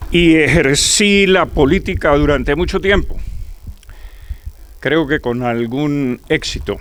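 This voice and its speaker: With long, frequent pauses, a man speaks very slowly over noticeable background noise. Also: fairly high pitch for a man, ordinary pitch variation. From Colombia. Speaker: lecturer, former politician. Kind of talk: lecture.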